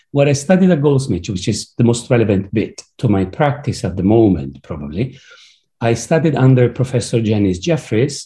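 Against a quiet background, a man with an Italian accent speaks at a moderate pace in a medium pitch, his dark, mellow, somewhat breathy tone carried by lively intonation. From Italy, Rome. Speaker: artist. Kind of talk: interview.

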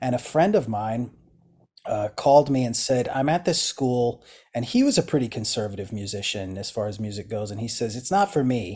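Somewhat breathy and dark, mellow in tone, a man at medium pitch speaks with lively intonation. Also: moderate pace, very clean recording, silent background. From eastern Kentucky, Appalachia. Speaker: jazz saxophonist and music teacher. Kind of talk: interview conversation.

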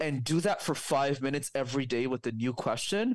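On a very clean recording with a silent background, a fairly high-pitched man speaks at a moderate pace with lively intonation. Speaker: communication coach and YouTuber. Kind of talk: interview. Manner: varied tempo with pauses.

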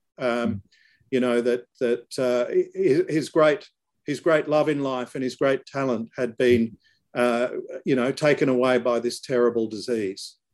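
In an Australian accent, a man speaks at a fairly slow pace with long, frequent pauses, medium pitch and fairly even intonation. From grew up in Mussoorie, north India, then Australia. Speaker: university executive, professor of international relations. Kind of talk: interview, personal recollection. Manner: hesitant, many fillers.

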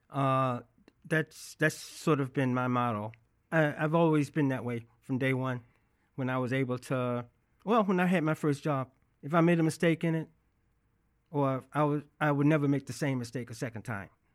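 A man with a fairly high voice speaks at a moderate pace with ordinary pitch variation and long, frequent pauses, in a very clean recording with a silent background. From US South, Birmingham, Alabama. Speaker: synagogue security officer, former police officer. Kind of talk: interview conversation. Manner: halting, many fillers.

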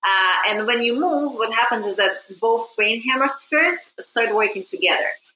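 A woman with a Russian accent speaks at a fairly high pitch and a very even loudness. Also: lively intonation, moderate pace. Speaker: life coach. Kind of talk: interview. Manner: halting.

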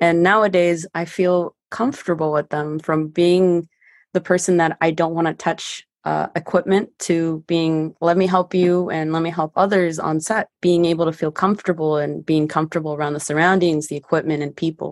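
The delivery is monotone and flat at a moderate pace, with hardly any pauses. The sound is dry and close with no echo, very clean against a silent background. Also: woman, fairly low pitch for a woman. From San Diego, US. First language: Spanish. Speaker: filmmaker. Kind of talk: casual interview chat.

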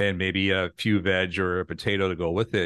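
A man speaks at a very slow pace, with a dry, close sound, no echo, and a quiet background. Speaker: interviewer and vegan content creator. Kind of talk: casual interview. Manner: friendly, warm.

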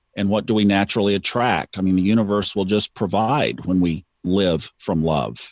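In a very clean recording with a silent background and a dry, close sound with no echo, a man with an Oklahoma accent speaks at a moderate pace, fairly low in pitch, with ordinary pitch variation and very even loudness. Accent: Southern US, Oklahoma. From Tulsa, Oklahoma, US South. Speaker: podcaster, astrology and subconscious mind teacher. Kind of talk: casual interview, storytelling. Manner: friendly, chatty.

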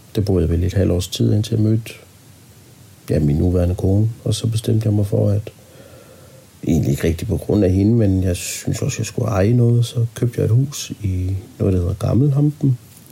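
A man's fairly low voice with ordinary pitch variation and very even loudness, over noticeable background noise. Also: moderate pace. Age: 40s. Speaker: podcaster and bricklayer. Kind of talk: casual solo monologue. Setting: home recording, poor microphone.

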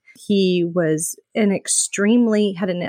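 A woman with an unremarkable speaking voice, medium in pitch, dry and close with no echo, on a very clean recording with a silent background. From US Midwest, small rural town. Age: 30s. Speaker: domestic abuse survivor sharing her story. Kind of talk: personal testimony interview.

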